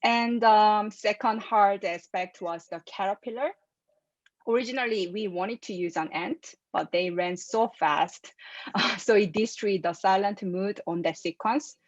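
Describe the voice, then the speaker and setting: A woman's voice: medium pitch, unhurried, no echo. A woman explains her ideas carefully and earnestly, her shaping her English. The video-call audio is dull and lo-fi, with no room sound around her voice. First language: Korean. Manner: careful, earnest, soft laughs between points. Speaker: filmmaker guest. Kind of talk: interview answers.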